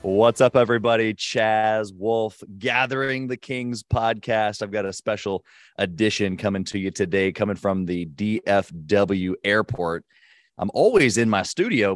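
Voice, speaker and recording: A man with a deep voice hosting a podcast, energetic and emphatic, speaking from an airport. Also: dry recording, studio quality. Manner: projecting, hyped-up, talking quietly in airport. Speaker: podcast host.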